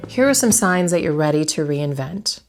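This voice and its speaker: A young adult woman hosting a vlog from her bedroom, speaking slightly nasally because of a head cold, in a calm, reflective coaching tone that asks the viewer direct questions. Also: low-pitched, moderate pace, soft background music. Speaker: vlog host and interior designer. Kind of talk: motivational talk to camera.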